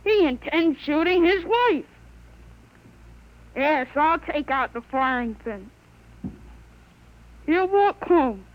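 Slow, muffled, high boyish voice. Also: female voice. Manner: deliberate, formal. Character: young boy soberly posing as his adult father. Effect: muffled by handkerchief. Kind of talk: 1950s radio drama acting. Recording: muffled vintage 1950s radio recording.

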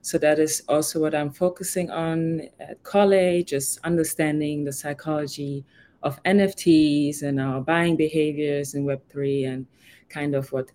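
A woman's voice: deep voice, dark tone, slight background noise. A young woman from Germany, co-founder guest, introducing herself in a friendly way with frequent "um" fillers. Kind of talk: interview self-introduction.

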